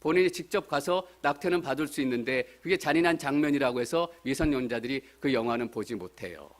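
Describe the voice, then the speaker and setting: A man's voice: mid-range voice, fast. Earnest male pastor preaching. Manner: earnest preaching, rising to emphatic appeals. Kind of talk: sermon. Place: church sanctuary.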